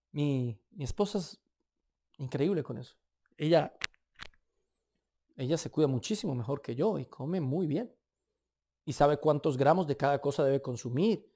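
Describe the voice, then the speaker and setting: Colombian male preacher with a warm, mellow tone; emphatic, animated sermon delivery with casual asides. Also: on the high side, a little slow, long pauses. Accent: Colombian Spanish.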